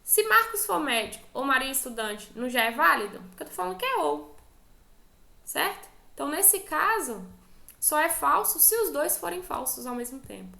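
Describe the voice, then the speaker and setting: A woman's voice: sits high, sing-song, normal speed, creaky, pushed and bright, reverberant. A woman teacher with a Brazilian Portuguese accent, giving an online class lecture and patiently explaining step by step while checking in with her students.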